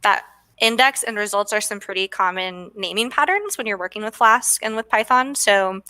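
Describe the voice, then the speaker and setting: A woman's voice: mid-range voice, normal speed, sharp tone, no echo. A woman co-hosting a live coding stream, chatty and bubbly, reading out comments from the chat.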